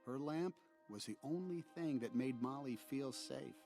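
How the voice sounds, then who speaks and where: A man playing an earnest, easily flustered cowboy rag-doll toy in an animated film, with an eager, stammering, pleading delivery. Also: medium pitch, measured pace, gravelly, faint music behind. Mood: fond.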